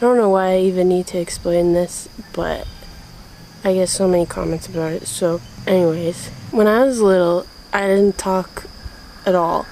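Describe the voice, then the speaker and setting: Against noticeable background noise, a woman with a medium pitch speaks at a moderate pace with fairly even intonation and long, frequent pauses. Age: 20s. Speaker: vlogger with cystic fibrosis. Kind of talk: personal vlog. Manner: monotone, chill; occasional stutter.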